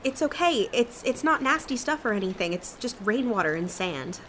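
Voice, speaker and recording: A woman's voice: a little high, sing-song, moderate pace, fairly bright tone, rough recording. A woman playing a headstrong, defiant young female cryptid in an audio drama, with an impulsive, argumentative and casual way of talking. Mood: protesting. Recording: clear watery ambience noise behind voice.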